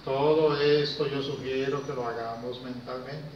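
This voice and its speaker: A man, giving an informal lecture to a small class in an unhurried way, with pauses and questions to his listeners. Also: medium pitch, steady tone, recorded from a distance. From Costa Rica. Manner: unhurried, pausing between short phrases, questioning listeners. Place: small indoor classroom with whiteboard. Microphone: handheld camera a few metres away. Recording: very echoey, noisy, muffled room recording from afar.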